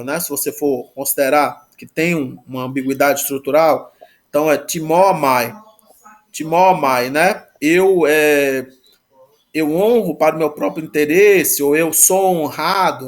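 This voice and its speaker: A man teaching a Greek grammar lesson, talking haltingly with many restarts and a constant "né?" after each phrase. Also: on the high side. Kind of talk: live online grammar lesson.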